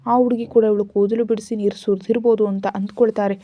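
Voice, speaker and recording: A woman narrating a scripted story in a steady, even reading. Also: medium pitch, brisk, no room sound. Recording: dull lo-fi recording.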